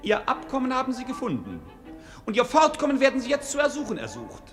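An actor playing a mocking, cheerfully cynical court fool in a classic radio play, theatrical and impudent. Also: male voice, extremely high pitch, huge pitch swings, quick pace, over music, full character voice. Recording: noisy old radio play recording.

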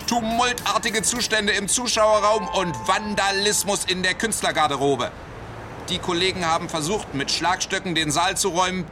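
Ein Schauspieler spielt in einem Hörspiel einen amtlich auftretenden, selbstgefälligen Polizeibeamten. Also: male voice, high-pitched, close to an everyday voice. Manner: officious, self-satisfied. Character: smug, officious male police officer giving his report. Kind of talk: radio play monologue.

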